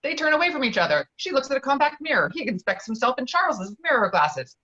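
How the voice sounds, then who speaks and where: A woman's voice: sits high, big pitch swings, fast, bright, forceful tone. A woman reading out screenplay stage directions as the narrator of an online table read. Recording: dull, lo-fi online call audio.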